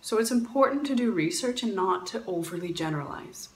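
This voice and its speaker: In an echoey room with a little hiss or hum, a woman from Poland who grew up in Canada shares travel advice as a guest answering questions in a recorded talk. Her mid-range voice is animated and fairly quick, earnest but punctuated by fillers and restarts.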